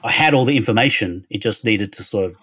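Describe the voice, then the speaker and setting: A man's voice: lowish voice, fast talker, fairly bright tone, breathy edge, dry recording. A middle-aged Australian man with an Australian accent, a guest speaking thoughtfully in a casual interview, often restarting his phrases. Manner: thoughtful, restarts phrases, lists words in a row. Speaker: podcast guest, Anglican minister.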